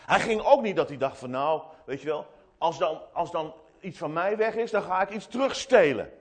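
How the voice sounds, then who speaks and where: A man giving an animated children's sermon in church, retelling a story with many restarts and asides. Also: on the high side, moderate pace, husky. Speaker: preacher speaking to children.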